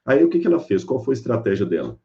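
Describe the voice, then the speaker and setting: Male preacher, bible lecture, mellow dark voice, a bit muffled, lively storytelling. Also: mid-range voice, very fast, vocal fry. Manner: animated storyteller acting out characters. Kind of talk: sermon-style Bible lecture.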